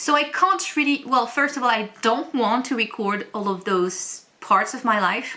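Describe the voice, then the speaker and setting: A woman with a French accent, fairly high in pitch. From France. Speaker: artist and YouTuber. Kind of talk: casual vlog talk. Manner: hesitant, many fillers.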